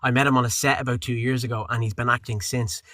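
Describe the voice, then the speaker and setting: A man's voice: medium pitch, flat delivery, quick pace, fairly bright tone, dry recording, clean studio sound. A man working as a voice actor and narrator, chatting casually in an interview, rambling with many fillers and restarts.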